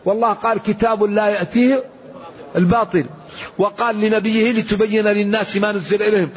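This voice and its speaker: A man's voice: high voice, steady tone, brisk, muffled recording. A man giving an earnest, emphatic Quran commentary lesson, quoting scripture and sayings as he preaches. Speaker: Quran teacher.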